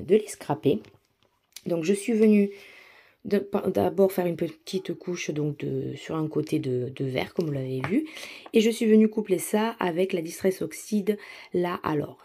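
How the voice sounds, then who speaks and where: A woman's voice: fairly low pitch, mellow, husky. A woman narrating a casual voice-over craft tutorial, chatty and enthusiastic, with many fillers and restarts. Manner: self-deprecating, enthusiastic about materials. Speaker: craft video host. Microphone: voice-over mic.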